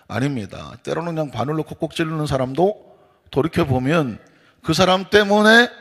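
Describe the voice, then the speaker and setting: A man preaching with a gravelly, husky voice that sits a little high for a man. He talks in a folksy, emphatic way and keeps slipping into the voices of the people he quotes. This is a dawn sermon given in a church sanctuary. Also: a bit bright. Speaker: pastor. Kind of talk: animated dawn-service sermon.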